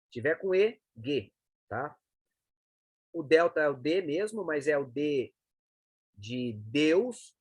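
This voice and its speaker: A man's voice: a little high, husky, no room sound. A man giving a lesson, walking through letters and checking in with the listener often. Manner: explanatory, frequent checking tags like "né" and "tá". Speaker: teacher. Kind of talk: lesson on reading the Greek alphabet.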